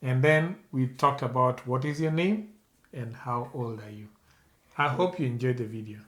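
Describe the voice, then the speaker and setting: A man's voice: medium pitch, normal speed. A man with a Kenyan accent giving a beginner language lesson, patiently instructing and prompting the learner to repeat. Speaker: language teacher.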